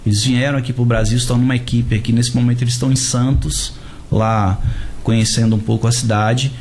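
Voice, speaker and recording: A man's voice: mid-range voice, little pitch movement, brisk, a little mellow, a little hiss or hum. A man with a Bahian Brazilian accent, a pastor speaking as a guest in a conversational radio interview. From Salvador, Bahia, Brazil. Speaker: guest, pastor and skate ministry leader.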